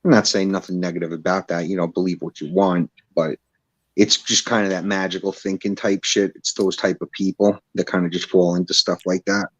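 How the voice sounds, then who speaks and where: A man with a very low, deep voice joins a casual chat. He is laid-back and frank and swears offhandedly. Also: little pitch movement, fairly quick, muffled recording.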